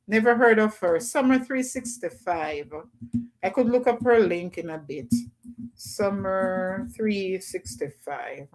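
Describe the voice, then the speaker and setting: Woman, livestream host, casual chat, wandering, greets viewers. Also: mid-range voice. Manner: chatty, wandering, talks to viewers by name.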